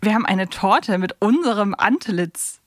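A woman's voice: mid-range voice, expressive, a little slow, no echo, clean studio sound. A woman from Hamburg with speech, chatting casually and reflectively as co-host of a podcast. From Hamburg, Germany. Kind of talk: casual unscripted podcast chat. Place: podcast studio.

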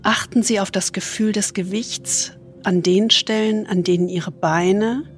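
A woman leads a guided meditation in a soft, soothing spa manner, leaving long pauses and trailing into breathiness. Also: mid-range voice, fairly even intonation, soft background music. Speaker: host guiding a relaxation exercise.

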